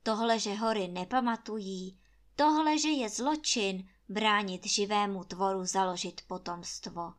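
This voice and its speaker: A woman's voice: mid-range voice, lightly acted. A woman reading a storybook and voicing a timid, stammering gamekeeper who pleads humbly with his master. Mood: indignant.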